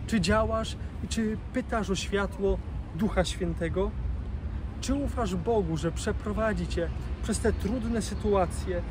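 Young man, high voice, earnest daily scripture reflection filmed outdoors with steady traffic noise behind him. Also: slow. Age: young adult. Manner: earnest, asks the listener many questions, frequent hesitations. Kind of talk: short spoken reflection on scripture. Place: outdoors by a parking lot. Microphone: camera at chest height, tablet in hand. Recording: outdoor recording with street noise.

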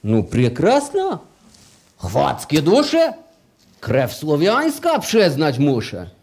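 Man doing a boisterous Russian soldier angel, Russian accent, slow drawl, swoops all over. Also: fairly high pitch, huge pitch swings, a little mellow, breathy edge, exaggerated voice. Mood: boastful. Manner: brash, drawling, mixes Russian words. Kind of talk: rhyming nativity comedy play.

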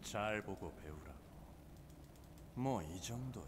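An actor voicing a cool, self-assured mage hero in a fantasy game, haughty and composed. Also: male voice, on the low side, expressive, slow pace, a little hiss or hum. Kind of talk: scripted fantasy game unit responses.

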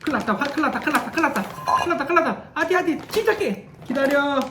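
A man's voice: very high-pitched, racing, over music. A man talking playfully to a kitten at home in coaxing baby talk, in casual vlog style. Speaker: vlogger, kitten owner. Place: home indoors. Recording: echoey room with faint noise.

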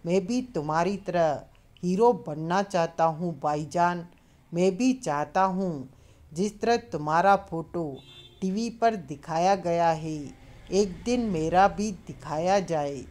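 A woman's voice: on the low side, slow, a little mellow. A woman voicing an eager, boastful young male militant in a storybook reading.

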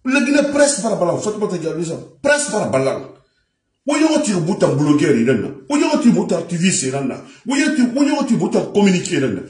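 An impassioned man delivers a monologue to media communicators, swinging his pitch widely as he drives home each point. His voice is mellow and dark, and it rings in an echoey room. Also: wildly swooping pitch, brisk. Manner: emphatic, repetitive, mixing French and a local language. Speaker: commentator addressing communicators.

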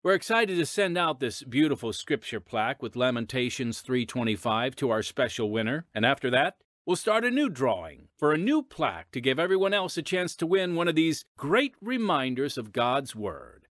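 A man hosting a Christian audio drama podcast, reading scripted announcements in an earnest, measured way. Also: mid-range voice, sing-song, a bit bright, no room sound, studio quality. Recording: music bed underneath.

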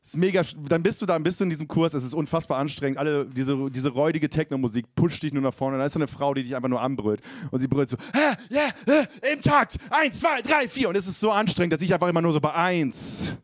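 A man's voice: a little high, quick pace, hardly any pauses, no echo, clean studio sound. A man in his thirties from East Frisia doing a self-mocking stand-up set on a comedy club stage, talking with the crowd. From East Frisia, Germany. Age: 30s.

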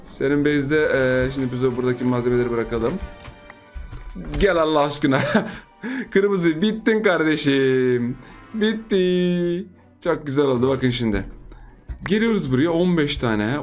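A man giving live gameplay commentary, excitable and playful, teasing his opponents and chanting repeated words in a sing-song way. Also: mid-range voice. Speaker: gaming YouTuber.

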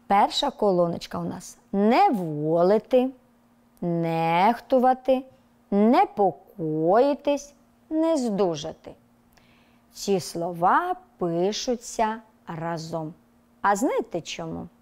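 Slow, lively woman teacher. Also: mid-range voice. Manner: slow, clear dictation with stressed words; lively storytelling tone. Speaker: primary school teacher. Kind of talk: televised lesson for young children. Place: TV studio.

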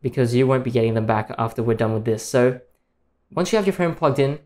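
A man hosting a tech tutorial, calmly explaining each step in a screen-recorded voice-over. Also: mid-range voice, brisk.

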